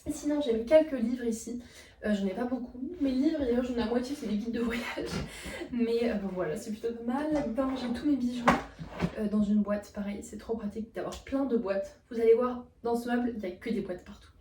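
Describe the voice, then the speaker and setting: A woman's voice: on the high side, a little fast, mellow. Chatty French woman in an echoey room. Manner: chatty, many fillers, enthusiastic. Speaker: vlogger. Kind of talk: casual room tour. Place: small student bedroom. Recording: roomy, from a distance, faint noise.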